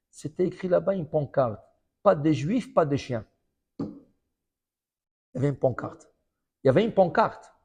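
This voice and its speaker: A high-voiced man preaching as a rabbi. He tells stories with animated swings of pitch and loudness, repeats phrases for emphasis and keeps checking that his listeners follow. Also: gravelly, slightly rough. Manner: animated storytelling with many repetitions; often checks in with "ok?". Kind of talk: sermon.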